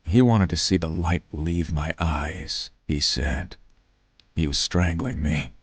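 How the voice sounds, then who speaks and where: An actor playing a weary, guarded war veteran in an audio drama, speaking haltingly with understatement. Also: male voice, rumbling low, breathy edge, no room sound, full character voice. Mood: grim, haunted.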